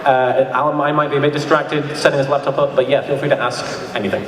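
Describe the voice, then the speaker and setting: A man's voice: mid-range voice, flat delivery, fast. A man talking casually and jokingly to an audience as a panelist at a convention. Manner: joking, informal. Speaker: panelist and web parody series creator. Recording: echoey hall from far off, crowd audible.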